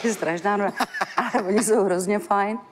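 A woman's voice: medium pitch, background noise. A woman singer in her forties, chatting as a talk show guest, laughing often and restarting her sentences. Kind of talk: casual chat.

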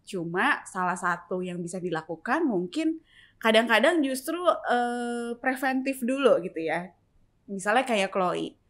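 A woman speaking as a parenting expert in an interview, measured, laying out points one by one and checking in with tag questions. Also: a little high, animated, a bit bright. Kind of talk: explanatory interview talk.

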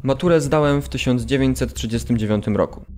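A man's voice: mid-range voice, fairly quick, darkish tone, soft background music, close to an everyday voice. Male actor as young infantryman, mid-range voice, plain factual testimony for radio drama. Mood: sober recounting. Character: young Polish school-leaver turned infantryman recalling September campaign. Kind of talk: documentary radio drama monologue.

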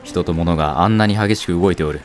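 A man's voice: sits low, fast talker, faint music behind, lightly acted. A man playing a proud, fatherly samurai castle lord in a period voice drama, speaking in an archaic, lordly way. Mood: warm, stately. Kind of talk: Japanese period voice drama acting.

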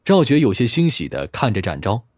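A man's voice: lowish voice, huge pitch swings, brisk, darkish tone, breathy edge, no echo. A man narrating a scripted crime audiobook. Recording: music playing behind the voice. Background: background music.

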